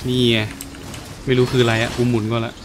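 A man giving casual let's-play commentary in an animated, exclamatory way, with playful muttering. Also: mid-range voice, brisk, very noisy. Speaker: gameplay commentator. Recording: game music behind the voice. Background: video game music.

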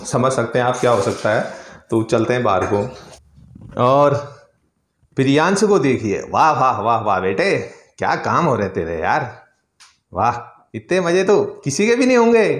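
A middle-aged man from Uttarakhand films a casual village vlog on his phone. His voice sits at an average pitch as he narrates everyday chores and playfully teases those around him. It sounds like handheld phone audio, mostly out in the open. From Uttarakhand, India. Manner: teasing, playful chatter with family, animals and children. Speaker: village family vlogger. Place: village home, mostly outdoors in yard and fields. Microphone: phone at arm's length.

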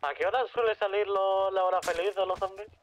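A man's voice: high voice, steady tone, a little fast. A man talking casually over a radio-like voice chat in an online roleplay game. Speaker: player in a zombie survival roleplay.

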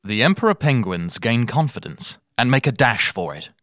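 A man performs a measured wildlife documentary narrator. He is serious, mid-pitched and recorded close in a dry booth. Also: big pitch swings, a bit bright, no echo. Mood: suspenseful.

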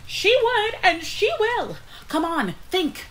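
A high, animated voice of a fretful witch in an audio comedy. She is earnest and dramatic, drawing her words out slowly. Faint ambience sits behind her. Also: slight background noise, heavily acted, rough recording. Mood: frantic, insistent. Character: anxious, earnest witch fretting over a prophecy. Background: storm ambience.

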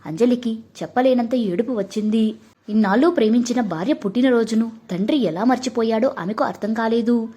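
A woman narrating a family drama in a steady, measured storybook reading. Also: fairly high pitch, breathy edge.

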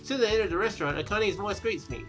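A man's voice: high voice, racing, fairly bright tone, faint music behind. A man hosting a let's play with casual, rambling, joking commentary.

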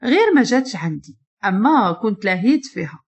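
A woman's voice: mid-range voice, sing-song, brisk, breathy edge. A woman with a Moroccan accent voicing a rich, flashy young man who jokes and boasts with his friend. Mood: playful. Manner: playful, boastful.

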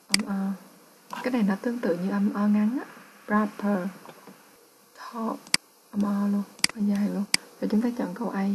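A woman's voice: mid-range voice, background noise. A woman English teacher with a Vietnamese accent, patiently explaining test answers and repeating each word.

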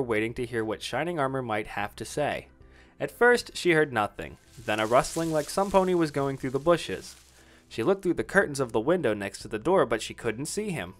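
A man narrating a romantic fan fiction story in a scripted, dramatic reading style. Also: medium pitch.

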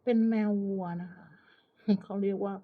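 A woman from Thailand chatting casually and politely to viewers as a pet owner, in an unhurried, coaxing manner. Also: medium pitch, little pitch movement. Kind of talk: casual chat to viewers while watching her pet cat. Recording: muffled, lo-fi, phone-like narrow sound.

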